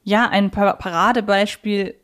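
A woman's voice: mid-range voice, fairly even intonation, measured pace, a bit bright. A woman co-hosting a talk podcast, reflecting aloud in a conversational, analytical way and explaining her view point by point. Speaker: podcast co-host.

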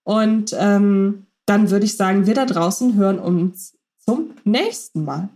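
Female podcast host, relaxed and playful, chatty delivery. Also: mid-range voice, slow. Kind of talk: casual fan podcast chat.

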